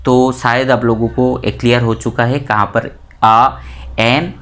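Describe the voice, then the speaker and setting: A woman's voice: a bass voice, little pitch movement. Woman teaching grammar, repeating example words. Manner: repeats example words slowly and stresses them. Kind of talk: explanatory lesson in Hindi.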